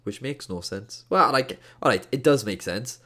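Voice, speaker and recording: A man's voice: medium pitch, lively intonation, normal speed, pushed and bright. Man, Welsh accent with a Scottish edge, mid-range voice; exasperated, jokey esports caster reviewing a match. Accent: Welsh, with a hint of Scottish. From Wales. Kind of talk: casual game review commentary.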